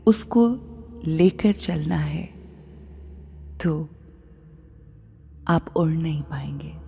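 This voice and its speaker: A woman with a South Asian accent leads a guided meditation in a hushed, soothing, breathy voice, leaving long pauses. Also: low voice, a little hiss or hum. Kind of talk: slow guided meditation narration. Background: faint music.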